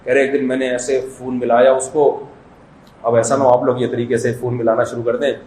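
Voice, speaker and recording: A man's voice: mid-range voice, level tone, a little mellow, reverberant, low-quality recording. A man giving a humorous Islamic sermon as a mufti, telling stories in a joking, conversational way. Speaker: mufti giving a religious talk.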